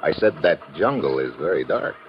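Wry American special agent, low voice, wide-swinging delivery, clipped, old radio thriller. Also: male voice, sing-song, moderate pace, a little hiss or hum. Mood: probing, guarded. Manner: hard-boiled, clipped, wry. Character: tough, wry American male secret agent. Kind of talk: 1950s radio drama acting and first-person narration. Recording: muffled old radio recording, music behind.

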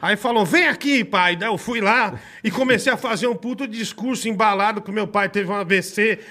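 High, bright-voiced Brazilian storyteller man. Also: a little fast. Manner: animated, swearing, acts out quoted voices. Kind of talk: casual chat, storytelling.

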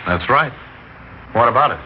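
Wry male station boss, mid voice with lively lilt, played by an actor, muffled old radio sound. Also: mid-range voice, moderate pace, lightly acted. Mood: dry. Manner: dry, teasing. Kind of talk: old-time radio drama acting. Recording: dull old radio recording, hiss.

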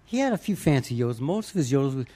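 A man's voice: medium pitch, big pitch swings, very fast, mellow, soft background music. A man, a singer and yodeler, chatting casually in an interview and explaining his technique, breaking into short yodel demonstrations.

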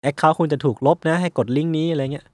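A man co-hosting a casual podcast chat, relaxed and jokey as he shares stories. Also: fairly high pitch, quick pace, dry recording, clean studio sound. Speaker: podcast co-host.

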